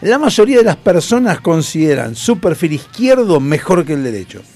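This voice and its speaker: A man with a Rioplatense accent hosting a casual chat, reading trivia facts in an animated way with quick asides. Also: fairly high pitch, soft background music. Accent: Rioplatense Spanish.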